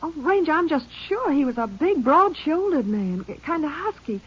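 High-pitched anxious girl. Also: very animated, normal speed. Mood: defensive. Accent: American. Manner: hesitant, stammering, pleading. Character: anxious, insistent teenage girl witness. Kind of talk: 1950s radio drama acting. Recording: dull old radio recording.

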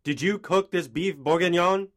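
A man's voice: high-pitched, normal speed, natural voice. A man playing a swaggering, furious, self-important chef in a melodramatic, pompous audio play parody. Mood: barking anger.

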